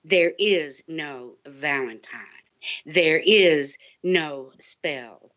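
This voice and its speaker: A woman's voice: deep voice, drawn-out words, fairly bright tone, dull audio, heavily acted. A woman playing a conspiratorial whistleblowing librarian, urgent and portentous, in a scripted audio drama. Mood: grave.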